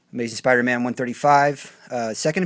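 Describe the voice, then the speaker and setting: This man talks at a fairly quick pace. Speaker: comic book collector. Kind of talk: casual show-and-tell video. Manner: fast; hesitant fillers.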